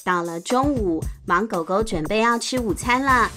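A woman with a mid-range voice and lively intonation reads a picture-book story at normal speed, as if to a toddler, exclaiming and posing little questions. She's a host and storyteller, with soft music playing behind her.

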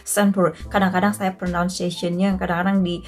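A woman's voice: lowish voice, flat delivery, moderate pace, faint music behind. Chatty Indonesian woman vlogging at home. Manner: chatty, friendly, addresses viewers directly. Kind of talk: casual vlog talk to camera. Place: living room at home, indoors.

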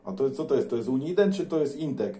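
A man's voice: medium pitch, lively intonation, quick pace, dark tone. A man making casual, teasing and blunt small talk as a CB radio operator, in colloquial language.

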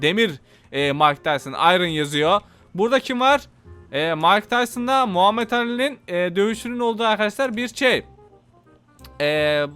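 A man's voice: high-pitched, fairly bright tone, smooth. A young man giving rowdy, joking commentary on his own gameplay and talking straight to his viewers. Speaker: gameplay video host. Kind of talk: excited gaming commentary.

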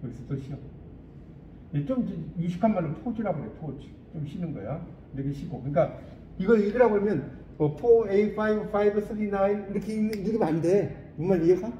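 A man teaching an English class, quizzing his students and reading English phrases slowly and deliberately. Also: high voice, echoey room, dull audio, slight background noise. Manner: lively, quizzing students with questions.

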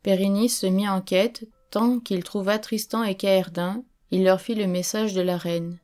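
A woman's voice: mid-range voice, fairly even intonation, darkish tone. Woman narrating an old tale solemnly. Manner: measured, solemn storytelling. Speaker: audiobook narrator. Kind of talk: scripted narration.

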